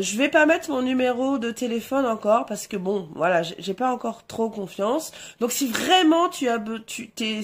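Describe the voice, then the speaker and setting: French lady w a blocked nose doing tarot, slowish, kinda high voice, lots of euhs. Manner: slow, hesitant, many fillers, addresses viewers warmly as her "essentiels". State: stuffy nose from a cold. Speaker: tarot reader. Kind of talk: casual tarot guidance vlog.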